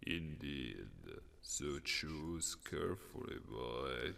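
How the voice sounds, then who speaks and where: A man voicing an ancient fire being, an amused and menacing villain boss in a video game, slow and formal with a raspy voice. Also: pushed and bright, exaggerated voice. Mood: measured menace. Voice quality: very deep, gravelly, breathy rasp. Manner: slow, measured, taunting, formal wording. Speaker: final boss villain in a visual novel game.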